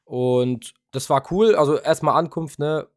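Speaking a little slowly in a fairly high voice, a young man co-hosting a podcast rambles through a long, casual story, dropping fillers and casual curses along the way. The sound is clean studio audio with no room sound.

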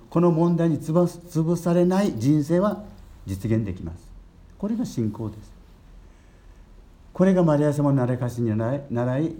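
An older man, a Catholic priest giving a gentle storytelling sermon and lifting his voice on key words. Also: mid-range voice.

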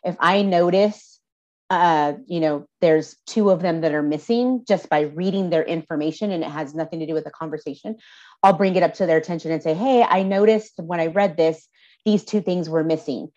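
Low-voiced woman, candid and thoughtful. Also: normal speed, darkish tone, muffled recording. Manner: thoughtful, candid, lightly laughing between points. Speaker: social services supervisor, podcast guest. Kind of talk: casual interview answers.

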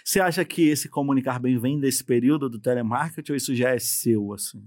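A Brazilian man hosts a casual podcast interview in a mid-pitched voice. He reacts with short slangy exclamations and asks easygoing questions. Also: fast talker, a little mellow. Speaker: podcast host.

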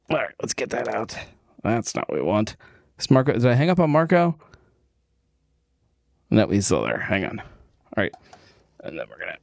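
A man's voice: lowish voice, vocal fry, darkish tone, dry recording. A man hosting a casual beer livestream, easygoing and rambling, with lots of fillers as he reads viewers' messages. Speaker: livestream host. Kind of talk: casual chat.

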